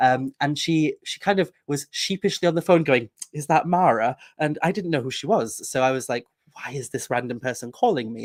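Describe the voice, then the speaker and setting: With lively intonation, a man speaks at a moderate pace in a dry, close sound with no echo. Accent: Welsh. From Wales. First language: Welsh. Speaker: author on witchcraft and folklore. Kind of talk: casual interview chat.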